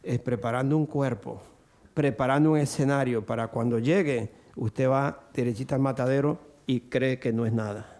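An older man preaching a sermon to a church congregation, acting out the voices he quotes and rising to high, excited bursts. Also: normal speed.

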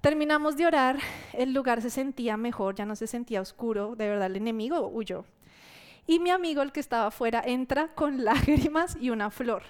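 A woman preacher giving a sermon testimony to her church, telling the story in a lively way and acting out what people said. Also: fairly high pitch, a little fast.

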